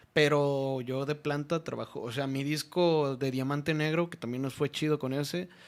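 This man has a plain, everyday voice, fairly high in pitch, speaking at a moderate pace with fairly even intonation on a very clean recording with a silent background. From Nayarit, Mexico (Las Varas, coast). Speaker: rapper. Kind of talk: casual chat.

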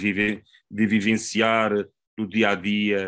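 A man speaks with a European Portuguese accent. His fairly low voice is monotone and flat. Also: quiet background. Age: 40s. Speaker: father with parenting social media page. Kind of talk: casual chat. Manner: halting.

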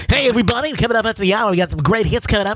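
At a very fast pace, a man puts on a nasal, high-pitched character voice. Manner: cheesy, overly radio-polished, mocking.

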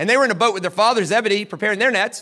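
A man projects a raised voice with an American accent. His tone is bright, sharp and animated. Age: 40s. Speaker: guest preacher. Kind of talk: sermon.

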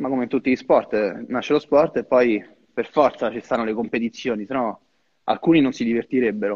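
Here is a man with an ordinary speaking voice at a medium pitch. He talks fairly quickly with ordinary pitch variation. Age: 20s. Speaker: CrossFit coach and gym owner. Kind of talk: casual chat. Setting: at his gym under construction.

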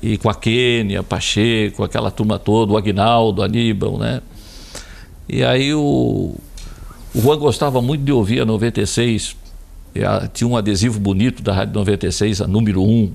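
Fairly low-pitched man at a fairly slow pace, with ordinary pitch variation and long, frequent pauses. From southern Santa Catarina, Brazil. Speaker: veteran radio broadcaster. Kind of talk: interview, storytelling.

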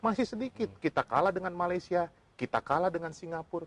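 Very fast and lively, a man talks in a high voice with a dry, close sound and no echo. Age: 40s. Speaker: university professor. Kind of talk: casual interview conversation. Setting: at his home, sitting on outdoor stairs.

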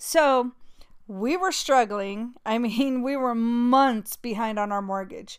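A woman with an American accent speaks at a fairly slow pace in an animated tone with ordinary pitch variation. The recording is very clean, with a silent background. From Utah. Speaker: podcast host, business coach. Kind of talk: personal story monologue.

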